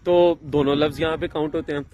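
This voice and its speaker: A man's voice: on the high side, little pitch movement, mellow, muffled recording. A man, talking to camera as a travel vlogger, chatty and explaining with many fillers and restarts, outdoors in a town. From Pakistan. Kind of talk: casual explanatory travel vlog.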